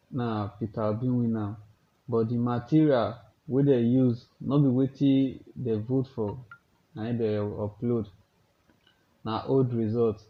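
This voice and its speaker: Slow-talking Nigerian man, speaking Nigerian Pidgin. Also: mid-range voice, muffled recording. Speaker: news commentator. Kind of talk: informal news commentary.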